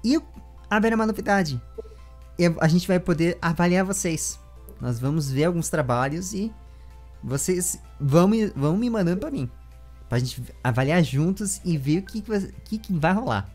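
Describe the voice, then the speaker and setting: Animated young Brazilian male host. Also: high voice, moderate pace, soft background music. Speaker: interviewer and channel host. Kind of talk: casual video chat with viewers. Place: small room with bookshelves. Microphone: large studio microphone up close.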